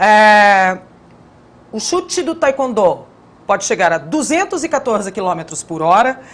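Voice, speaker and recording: Pitch swings very widely as the speech proceeds fairly slowly. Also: woman. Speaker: TV talk show host. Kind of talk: TV studio interview. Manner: loud.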